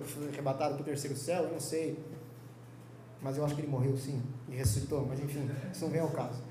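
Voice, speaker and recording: High-voiced Brazilian young man preaching. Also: roomy sound, background noise. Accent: Brazilian Portuguese. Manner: lively, joking, conversational preaching with quoted voices. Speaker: Sunday school teacher. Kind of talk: sermon teaching. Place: church hall.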